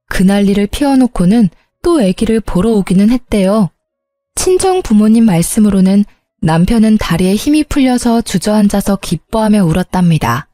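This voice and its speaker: A woman's voice: mid-range voice, mellow, no room sound. A woman narrating her own story in the first person, in a resentful, confessional tone.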